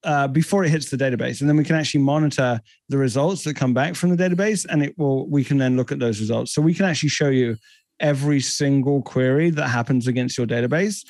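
British guy in his 30s on a headset, talks through tech stuff easy, mid pitch, dry. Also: fast talker, a little mellow, dry recording. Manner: fluent, explanatory, technical. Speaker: guest, tech company CEO. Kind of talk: conversational podcast interview. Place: home office.

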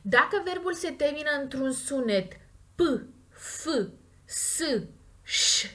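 A woman with a Romanian accent gives a grammar lesson in a fairly high voice. She moves quickly through her explanations, then slows right down to sound out each example word with care. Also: expressive, fairly bright tone. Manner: slow, stressed model words between quick explanations. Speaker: language teacher.

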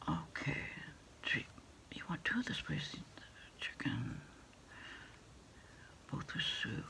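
Slow whispering woman in ASMR roleplay. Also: sharp tone. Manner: whispered, halting, unhurried. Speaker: ASMR roleplayer as takeout order taker. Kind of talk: ASMR roleplay, one side of a phone call. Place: small dim desk space indoors.

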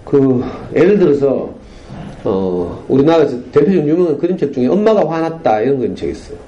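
활기차게 이야기하는 경상도 억양의 중년 남성 강사. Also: male voice, mid-range voice, a little fast, highs cut off. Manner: animated storytelling, rhetorical questions to the audience. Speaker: parenting lecturer. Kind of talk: lively lecture to parents. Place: school lecture hall.

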